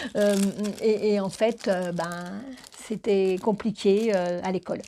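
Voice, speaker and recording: Speaking very slowly, a woman delivers her words in a flat monotone at a medium pitch, her tone dark and mellow. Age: 60s. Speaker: vlogger. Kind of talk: casual storytelling vlog. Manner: hesitant, many fillers.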